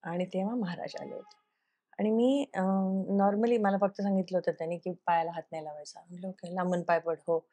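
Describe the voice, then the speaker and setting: A woman's voice: lowish voice, steady tone, brisk, dark tone. A woman, a television actress, tells a personal story in an interview. She acts out the dialogue she quotes and drops English phrases into her speech. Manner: earnest, recounts events by acting out quoted dialogue.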